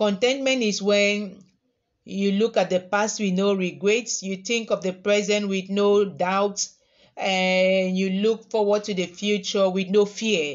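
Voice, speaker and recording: With an ordinary speaking voice, a woman talks at a medium pitch using fairly even intonation. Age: 40s. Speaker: minister and therapist. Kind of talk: live-streamed testimony and preaching. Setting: live social media stream.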